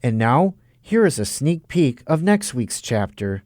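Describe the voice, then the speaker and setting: A man's voice: medium pitch, big pitch swings, a little slow, darkish tone, no room sound, clean studio sound. A man narrating an audio drama serial from a script, in a suspenseful announcer manner.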